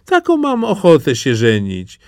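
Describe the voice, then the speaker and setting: A man voicing a cheerful, simple-minded young peasant lad who shouts happily as if from a distance, in a storybook reading. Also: fairly high pitch, huge pitch swings, unhurried, no room sound, clean studio sound, full character voice. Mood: gleeful shouting. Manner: shouting gleefully from afar.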